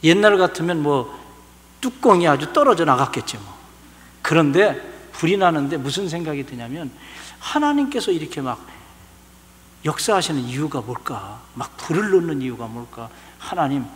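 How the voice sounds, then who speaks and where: A male pastor preaching a sermon, swinging from soft asides to loud emphatic lines. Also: fairly high pitch, very animated, moderate pace. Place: large church hall. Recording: church sermon with long hall reverb.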